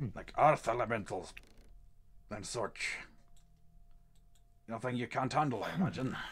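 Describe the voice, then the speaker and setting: A raspy, put-on character voice moves at a moderate pace. It leaves long, frequent pauses. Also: man, medium pitch for a man. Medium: actual play. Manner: muttering, swearing.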